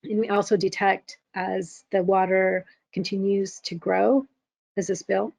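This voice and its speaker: A woman presenting a software demo in a webinar, halting with many ums, her voice going hoarse as she keeps clearing her throat. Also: medium pitch, little pitch movement, dry recording. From California. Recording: dull, lo-fi webinar audio.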